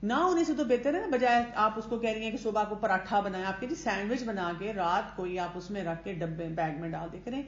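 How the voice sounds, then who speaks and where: A woman's voice: medium pitch, hardly any pauses, a little hiss or hum. A woman gives a conversational lecture to teachers, mixing English words into her speech and acting out the lines of parents and teachers. The recording sounds echoey and dull, like a lo-fi capture in a reverberant room. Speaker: teacher trainer.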